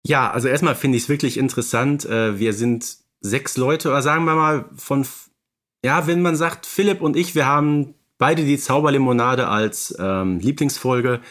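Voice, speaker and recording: A man with an average-pitched voice co-hosts a casual discussion. He speaks appreciatively, with hesitant, searching phrasing. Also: normal speed, fairly bright tone. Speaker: podcast co-host.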